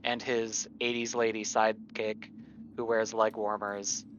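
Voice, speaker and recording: A man's voice: lowish voice, level tone, a little slow, a bit bright. A man chatting casually off the cuff as a player on a gaming podcast, rambling in a wry way. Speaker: tabletop game player. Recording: dull lo-fi call, faint noise.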